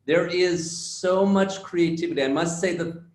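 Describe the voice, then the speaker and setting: A man's voice: sits high, a little mellow. Man with a Brooklyn Jewish accent, echoey room. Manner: reflective, measured, self-deprecating. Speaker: actor and guest. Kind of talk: conversational interview. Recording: roomy echo.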